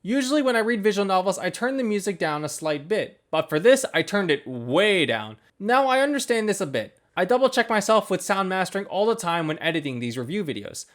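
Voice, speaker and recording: A man's voice: high voice, sing-song, a little fast, few pauses, fairly bright tone. A man narrating a scripted video game review as a voice-over, explaining his criticisms with emphasis. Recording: voice-over with background music. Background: ambient background game music.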